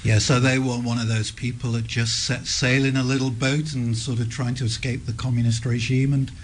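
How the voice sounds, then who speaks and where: A man hosting a radio interview in a studio, speaking gently and summing up his guest's answers. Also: medium pitch, little pitch movement, a little fast, slight background noise. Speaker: radio host. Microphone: studio microphone.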